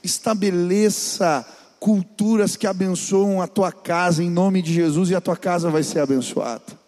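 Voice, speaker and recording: A man's voice: sits high, steady tone, normal speed, a little mellow, long reverb tail. A man, a pastor, preaching earnestly on family life and urging the listener directly.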